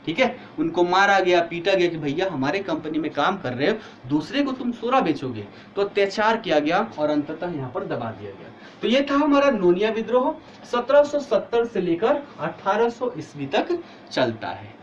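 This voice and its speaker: A man's voice: sits high, very animated, moderate pace, muffled recording. Man, teacher, online lecture, tired, headache, questions students, faint background noise. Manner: explains step by step, asks students questions. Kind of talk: online exam-prep history lecture.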